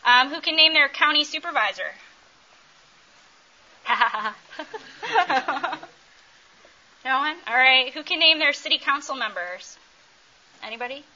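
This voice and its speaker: A woman's voice: high-pitched, lively intonation, slow pace, long pauses, pushed and bright, lo-fi sound, a little hiss or hum. A woman presenting an interactive talk, quizzing the audience and doing playful, teasing crowd work. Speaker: workshop presenter.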